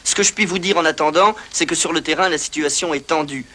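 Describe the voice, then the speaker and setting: A man's voice: a little high, quick pace, bright, forceful tone. A man playing an earnest news reporter delivering an on-location report in a film. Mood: grave, earnest.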